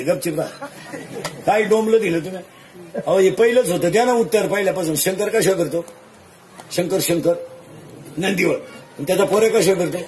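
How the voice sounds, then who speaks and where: High-voiced joking preacher. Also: male voice. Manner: jokey, fires rhetorical questions at the audience. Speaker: kirtan preacher. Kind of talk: comic devotional sermon. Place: live gathering before an audience. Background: crowd of listeners.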